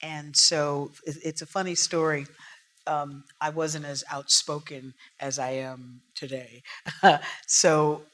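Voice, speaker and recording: A jazz singer from Oakland, California, a woman telling stories from her career as a podcast guest, animated and lively. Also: deep voice, takes it slowly. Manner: animated storyteller, acts out quotes. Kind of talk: storytelling interview talk.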